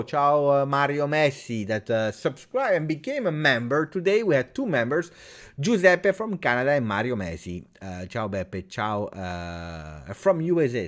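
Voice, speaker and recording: An Italian man whose native language is French runs a live football fan stream, reading viewer comments aloud and greeting people by name. His chatty, casual delivery jumps between loud cheering and quiet muttering.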